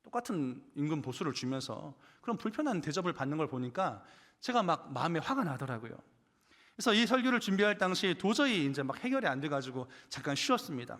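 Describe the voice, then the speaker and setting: A man's voice: on the high side, fairly bright tone. A male pastor preaching a sermon in a church, asking rhetorical questions and telling personal stories. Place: church sanctuary. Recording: reverberant church hall.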